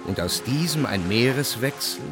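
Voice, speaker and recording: An actor performing solemn visionary epic poetry in a radio play, with a measured, incantatory delivery. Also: male voice, medium pitch, expressive, close to an everyday voice. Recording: studio voice over music. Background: music.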